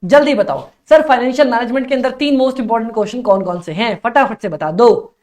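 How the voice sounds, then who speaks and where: A young man teaching a live-streamed online exam class, energetic and coaxing, who keeps repeating phrases and reads chat comments aloud. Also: extremely high pitch, quick pace. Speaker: accountancy exam tutor.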